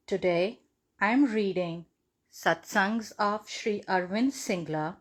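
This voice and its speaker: A woman reads a devotional testimony aloud in measured, deliberate phrases. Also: mid-range voice. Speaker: devotional reader.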